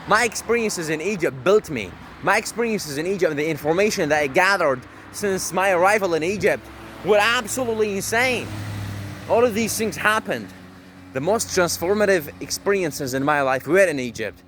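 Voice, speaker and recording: A man's voice: high voice, animated, moderate pace, a bit bright, slight background noise. Brash, profane Arab man rambling outdoors. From Syria. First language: Arabic. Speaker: vlogger. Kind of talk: rambling self-talk monologue.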